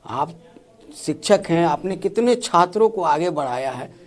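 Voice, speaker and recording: Reporter guy, pretty high voice, brisk news style. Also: animated. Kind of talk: news interview.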